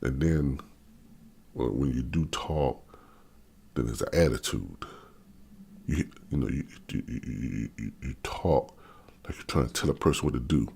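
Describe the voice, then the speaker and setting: Blunt dc-area guy about fifty, super deep husky voice, ranting to camera. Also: measured pace, long pauses, darkish tone. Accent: Maryland / Washington DC area. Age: 50s. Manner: blunt, repetitive, stammers on restarts. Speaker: vlogger. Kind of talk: unscripted opinion rant.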